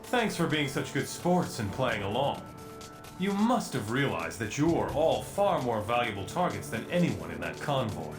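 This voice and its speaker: A man's voice: mid-range voice, big pitch swings, normal speed, natural voice. A man playing a smug, businesslike video game villain, condescending and scheming, with mocking politeness. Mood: smug mockery. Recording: echoey, with music behind.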